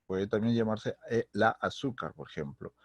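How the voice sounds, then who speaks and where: A man's voice: fairly low pitch, expressive, normal speed, husky, dry recording. A man from Peru with a Peruvian Spanish accent, teaching a recorded secondary school grammar lesson, restating terms and often checking that students follow. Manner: explanatory, repeats and restates terms, frequent "¿sí?" and "¿listo?" checks.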